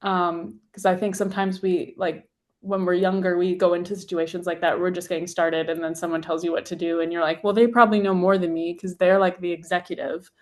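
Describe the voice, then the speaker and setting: A woman's voice: lowish voice, level tone, fairly quick. A young adult woman, a singer-songwriter guest, chatting casually in an interview and using lots of "like" fillers. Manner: chatty, heavy use of "like" fillers.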